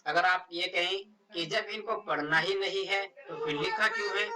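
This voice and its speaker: High bright-voiced guy teaching quran reading, slow, spells every syllable out, bit far from the mic. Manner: slow, drawn-out syllable-by-syllable spelling of Arabic words. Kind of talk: step-by-step recitation lesson.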